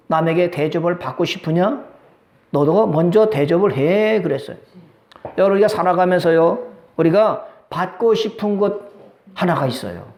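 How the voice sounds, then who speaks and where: A man's voice: sits high, darkish tone, echoey room. A middle-aged male pastor preaching a sermon, often asking the congregation questions and waiting for their answer. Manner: preaching with call-and-response questions.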